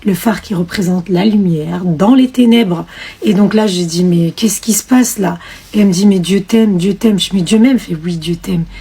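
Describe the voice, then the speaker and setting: Woman with a dark, husky voice. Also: mid-range voice, fairly quick. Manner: emotional, storytelling with fillers and quoted dialogue. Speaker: convert telling her testimony. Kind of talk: personal testimony.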